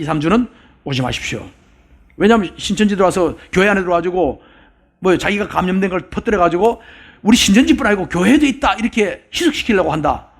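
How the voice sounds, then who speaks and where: A male pastor preaching a sermon with emphasis, repeating phrases and asking the congregation questions. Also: high-pitched.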